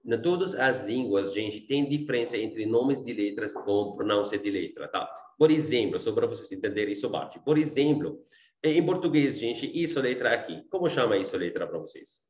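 A man's voice: mid-range voice, lively intonation, normal speed, reverberant, dull audio. A man with an Arabic accent teaching a beginners' language lesson online. He repeats his points and keeps checking in with his students. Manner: repeats himself, checks in often with tá and gente.

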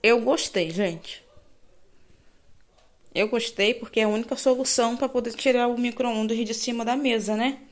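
Her voice is on the high side and her speed normal as this Brazilian Portuguese-accented woman vlogs casually at home. She chats familiarly with viewers from her kitchen and yard, often seeking their agreement, captured noisily on a handheld phone.

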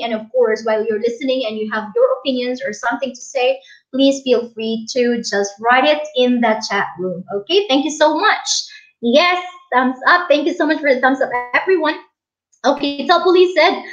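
A young Filipina English teacher hosting a casual live stream from a small room, chatting with viewers and reading their comments aloud. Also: female voice, high-pitched, normal speed, muffled recording. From Philippines.

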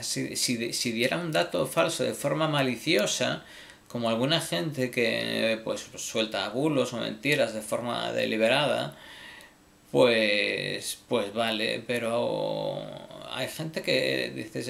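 Man in his own vlog, mid pitch, gravelly, stumbling over words, apologetic. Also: lively intonation, fairly bright tone. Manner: halting, repeats words, swears casually. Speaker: video creator. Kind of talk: casual apology to viewers.

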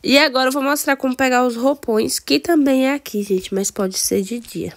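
A woman with a Brazilian accent and a cold, hoarse, chatting casually to viewers through a game walkthrough. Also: sits high, moderate pace. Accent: Brazilian Portuguese. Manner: chatty, addresses viewers as "amores". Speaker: gameplay video host.

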